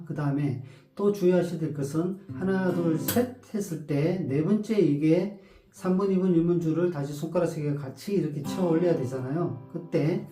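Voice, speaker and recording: A man's voice: a little high, roomy sound. A man teaching a guitar lesson, patiently explaining step by step and counting the beats aloud.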